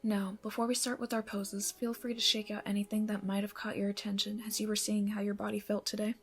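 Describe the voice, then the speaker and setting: A woman playing a gentle, encouraging yoga instructor in an ASMR roleplay, giving soothing, breathy instructions that often soften toward a whisper. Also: mid-range voice, little pitch movement, brisk, faint music behind, natural voice. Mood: calm, encouraging. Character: gentle, encouraging female yoga instructor leading a morning class.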